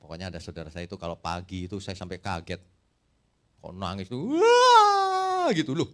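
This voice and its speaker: A man's voice: deep voice, fast. A middle-aged male pastor preaching a sermon, telling stories and acting out the quotes. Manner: lively storytelling with acted-out quotes.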